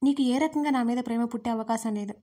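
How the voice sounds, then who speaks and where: A woman voicing an angry, grieving young man in an audio story, harsh and shouting. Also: a little high, quick pace, close to an everyday voice.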